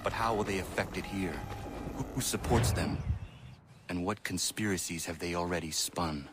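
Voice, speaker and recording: An actor playing an earnest, stubborn young Native American man in a dramatic video game, speaking with formal, measured diction. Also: low voice, background noise, close to an everyday voice. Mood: solemn, brooding. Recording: music behind the voice.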